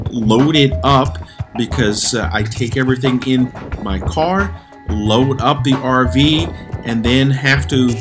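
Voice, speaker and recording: A middle-aged man chatting casually as an RV vlogger, upbeat with lots of fillers, filmed on a phone at arm's length. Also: mid-range voice. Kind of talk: casual travel vlog with voice-over. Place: inside a car, then outdoors by an RV. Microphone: phone held at arm's length. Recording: music bed playing under the voice. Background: background music.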